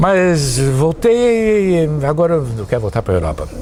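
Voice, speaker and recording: Noticeable background noise accompanies a man whose fairly high voice makes very wide pitch swings. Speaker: radio broadcaster and voice actor. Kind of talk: interview answer.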